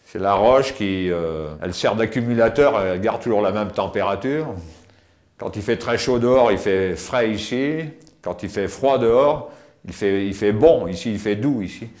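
An older man giving a casual tour of his cave home, talking with many pauses and fillers, recorded on a camera mic as he moves around. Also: on the low side, a little mellow. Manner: hesitant, many fillers and restarts. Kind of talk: casual spoken house tour. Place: inside stone cave rooms and outdoors by cliffs.

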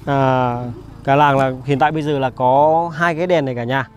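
A man's voice: mid-range voice, fairly even intonation, normal speed, soft background music. A young man vlogging on a village visit, chatty and caring, talking straight to his viewers. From Vietnam. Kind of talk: casual vlog chat.

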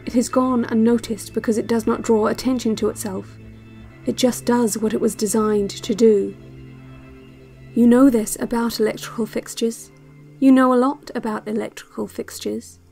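An actress playing a calm, eerie instructor on a relaxation tape, speaking in a measured, soothing, detached way. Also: female voice, a little high, creaky, soft background music. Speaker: narrator of instructional cassettes. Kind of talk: scripted guided relaxation narration.

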